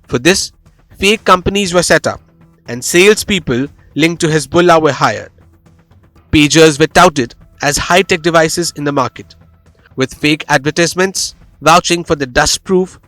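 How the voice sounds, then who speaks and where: A man's voice: fairly high pitch, fairly bright tone, dry recording. A man reading a scripted news explainer as a voice-over, with a dramatic storytelling delivery, close on the microphone. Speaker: news narrator. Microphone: close studio voice-over microphone.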